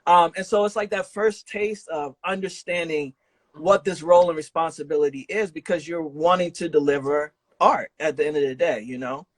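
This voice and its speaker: A man hosting a casual interview, talking informally with slang and a halting, thinking-aloud delivery. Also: fairly high pitch, no room sound. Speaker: podcast host interviewing an audio drama creator.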